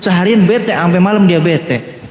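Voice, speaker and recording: A man preaching a lively sermon, joking and asking his audience questions. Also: sits high, normal speed. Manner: animated, playful, asks the crowd questions. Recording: echoey hall with long reverb.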